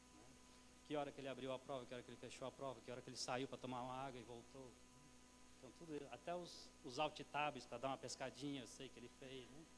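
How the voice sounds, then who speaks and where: Soft-spoken and very fast, a man talks at a medium pitch with vocal fry. His intonation is monotone and flat, with big swings in loudness. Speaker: university professor on a panel. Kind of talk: panel presentation.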